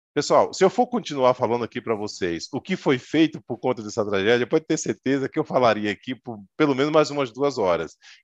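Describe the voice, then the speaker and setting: Against a quiet background, a man in a plain, everyday voice talks at a fairly quick pace and medium pitch, with lively intonation and hardly any pauses. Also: dry, close sound with no echo. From Bahia, Brazil (rural). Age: 50s. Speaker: corporate security manager. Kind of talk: interview on a live panel show.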